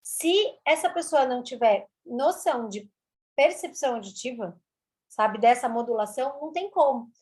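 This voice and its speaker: A fairly high-voiced woman talks as an interview guest. She explains things in an animated way, stacking up repeated words for emphasis. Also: moderate pace. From Brazil. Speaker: speech therapist guest.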